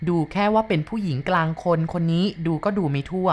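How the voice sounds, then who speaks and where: Low-voiced woman reading a ghost story. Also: brisk, darkish tone. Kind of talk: reading a first-person ghost story aloud.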